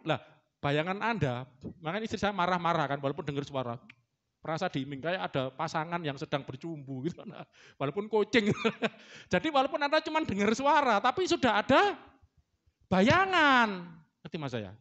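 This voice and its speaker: A man's voice: high voice, very animated, moderate pace, a bit bright. A middle-aged man preaching a sermon in a church, joking with the congregation and imitating animal sounds. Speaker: pastor. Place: church hall.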